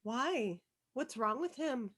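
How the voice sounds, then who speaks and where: Woman playing an anxious schoolgirl, high and bright. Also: lively intonation, takes it slowly, exaggerated voice. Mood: uneasy, curious. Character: anxious, earnest young schoolgirl, meek but hopeful. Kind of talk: virtual table read of a film script.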